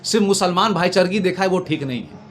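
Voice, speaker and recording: Quick and animated, a high-voiced political commentator from Bengal, India, delivers an impassioned argument during an interview. He hammers points home through repetition and oratorical lists, with noticeable background noise on the recording.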